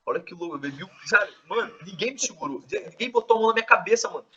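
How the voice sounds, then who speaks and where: A man casually telling his testimony in an excitable, slangy way, full of filler words. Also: sits high, very fast, slightly rough. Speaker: host sharing his testimony. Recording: distant, dull lo-fi mic.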